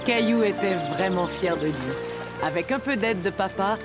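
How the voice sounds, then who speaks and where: A woman narrates a children's cartoon like a storybook. Her delivery is gentle and explanatory with lively, melodic intonation, over prominent background music. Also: mid-range voice, moderate pace.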